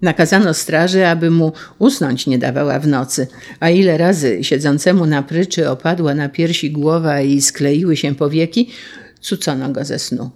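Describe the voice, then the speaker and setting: A woman reading a literary story aloud in a measured, solemn way. Her voice is low and has a gravelly texture throughout. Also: a little mellow. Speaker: narrator.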